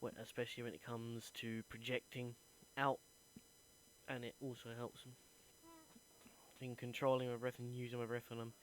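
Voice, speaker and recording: A man's voice: medium pitch, completely flat delivery, normal speed, a bit bright, slight background noise, rough recording. A young man, an acting student, earnestly recording a reflective voice diary and thinking aloud as he goes.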